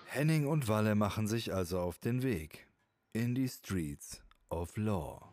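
A man's voice: fairly low pitch, expressive, unhurried, over music. A man narrating a scripted audio drama as a podcast host.

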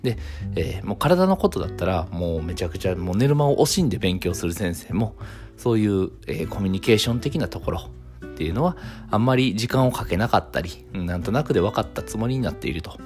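A man talks through a solo radio monologue. His voice sits fairly low but rises and falls a lot. He keeps a calm, measured pace full of fillers, over soft guitar music in the background. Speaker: clinic owner and radio host.

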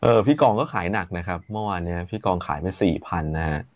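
Low quick guy running thru stock numbers, dry close sound. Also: animated, no echo. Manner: rattles off stock figures and tickers. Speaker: market analyst co-host. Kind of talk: casual market talk show.

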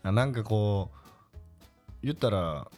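A young man with a Kansai accent bantering on a podcast, playful and teasing. His low voice jumps around lively in pitch, and faint music plays under it. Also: takes it slowly. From Kobe, Japan. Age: young adult. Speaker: podcast co-host. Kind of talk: casual chat.

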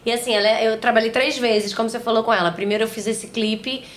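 A woman's voice: fairly high pitch, fast. A woman in her forties, a podcast guest chatting casually and acting out quotes as she tells stories. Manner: animated storytelling, acts out quotes. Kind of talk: casual chat.

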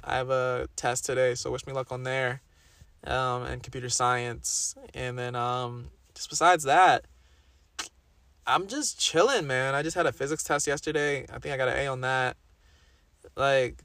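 A young man with a slightly raspy voice, chatting casually and rambling through a solo podcast in slangy talk, repeating phrases for emphasis. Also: mid-range voice, fairly bright tone, dry recording. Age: young adult. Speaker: podcast host.

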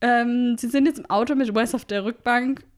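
A woman's voice: on the high side, fairly even intonation, moderate pace. A woman chatting casually in a podcast, laughing often and arguing playfully about word meanings. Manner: giggly, argumentative, teasing. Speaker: podcast co-host. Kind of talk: casual recap chat.

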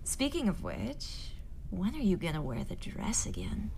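Playful, lively flirty woman director. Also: mid-range voice, unhurried, vocal fry, slight background noise, full character voice. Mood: playful, flirtatious. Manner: playful, wry. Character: teasing, irreverent expedition director, a flirtatious woman. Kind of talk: science fiction audio drama acting.

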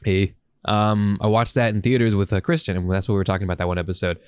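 A man's voice: on the low side, flat delivery, fast talker, clean tone, dry recording, studio quality. A man podcasting in a casual, profane chat, rambling and enthusiastic with plenty of slang. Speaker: podcast host.

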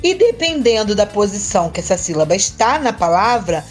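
A woman teacher, explaining a grammar lesson clearly and slowly on a scripted educational podcast. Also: medium pitch, very animated, faint music behind. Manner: slow, clear, didactic.

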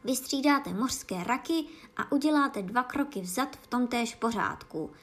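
A woman voicing a boisterous griffin creature who shouts eagerly in a bedtime storybook reading. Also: a little high, animated, pitched above the performer's own voice. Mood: shouting.

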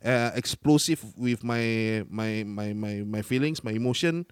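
A man with a Malay Southeast Asian accent hosting a casual online discussion, mixing slangy English with Malay and repeating words haltingly. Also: on the low side, clean tone, no room sound. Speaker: podcast host and content creator.

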